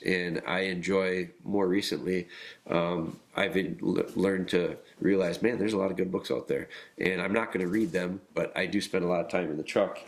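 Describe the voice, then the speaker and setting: A man hosting a podcast with a nasal, congested voice, talking casually and haltingly with frequent pauses and restarts. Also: sits low. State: congested from illness. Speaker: podcast host.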